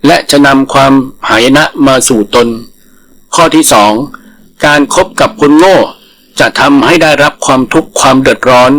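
A man's voice: mid-range voice, moderate pace, fairly bright tone, poor audio. A man reading a scripted moral folktale as a storyteller.

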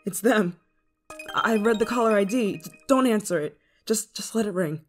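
A woman performs a female android who has gone deviant and clings desperately to the one she loves. Her delivery is hesitant and emotionally charged, in a mid-pitched voice, as in an intimate ASMR roleplay drama. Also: expressive, normal speed, soft background music, close to an everyday voice. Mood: nervous.

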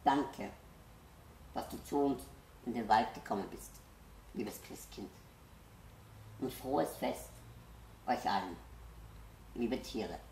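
A woman's voice: a bass voice, animated, takes it slowly, creaky, pauses often, warm tone, slight background noise, exaggerated voice. A woman voicing an eager, hopeful little male fox cub in a storybook reading. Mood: grateful. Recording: roomy echo.

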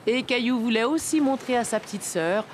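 A woman's voice: on the high side, lively intonation, a little fast, noisy background. A woman reading scripted narration for a children's cartoon in a storytelling style.

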